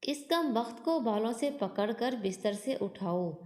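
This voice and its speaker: Woman storyteller doing a harsh bossy king from a moral tale, mellow tone, roomy echo. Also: on the high side, animated, unhurried. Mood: stern. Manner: commanding. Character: stern, cruel male king. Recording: echoey, long reverb on voice.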